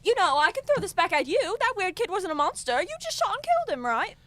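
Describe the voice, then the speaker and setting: A woman's voice: very high voice, sing-song, quick pace, sharp tone, full character voice. A woman playing a comically evil, child-eating witch in a radio play, theatrical and easily flustered. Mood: stunned, awkward. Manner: theatrical cackling, flustered asides. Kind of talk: comedic audio drama acting.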